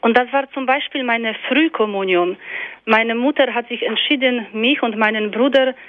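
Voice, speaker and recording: Nun with a Polish accent on a phone line. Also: female voice, on the high side, moderate pace, no echo. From Poland. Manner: thoughtful, many hesitations and fillers. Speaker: guest, missionary nun. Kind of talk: personal testimony interview.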